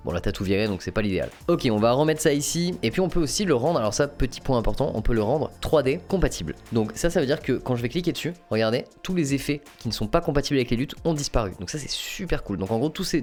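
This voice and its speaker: Fast-talking French man teaching software. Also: mid-range voice. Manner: chatty and informal, addresses viewers directly. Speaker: video editing tutor. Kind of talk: screen-recorded software tutorial.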